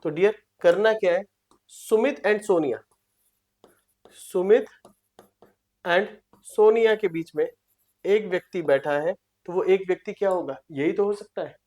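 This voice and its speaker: A woman with a fairly low voice teaches an online exam-prep reasoning lesson. She reads each problem line slowly, often twice over, and keeps asking her students whether it is clear. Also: mellow. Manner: reads problem lines slowly and repeats them, checks with "clear?".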